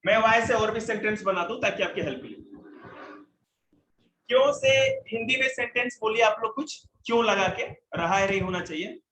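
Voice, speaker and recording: A male teacher giving a spoken English lesson to a class, slowly explaining each example sentence in Hindi and English. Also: high voice, big pitch swings, sharp tone, reverberant, a little hiss or hum, poor audio.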